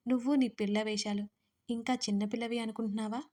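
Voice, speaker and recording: A woman's voice: on the high side, fairly even intonation, fast talker, dark tone, close to an everyday voice. A woman voicing a stern, suspicious young man who questions bluntly and scolds, in a Telugu audio story.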